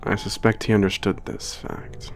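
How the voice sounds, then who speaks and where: A man playing an old, gentle, reflective giant, speaking in a measured, formal way as in an ASMR letter home. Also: on the low side, level tone, creaky, soft background music. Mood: pensive, regretful. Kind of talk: ASMR letter narration and roleplay.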